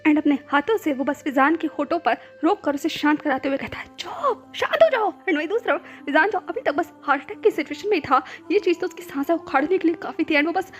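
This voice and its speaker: High-voiced woman storyteller with soft music. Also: fast, few pauses. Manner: mixes English words into the telling. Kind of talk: story narration.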